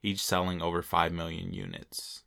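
A young man co-hosting a casual podcast, reading off facts in a relaxed, joking way, with a slight Mexican accent. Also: low-pitched, normal speed, gravelly. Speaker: podcast co-host. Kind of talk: casual chat.

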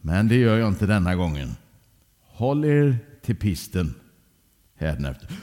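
A man voicing a strict adult lift attendant who lectures two boys in a lowered voice. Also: very animated, mellow, in a large hall. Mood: stern.

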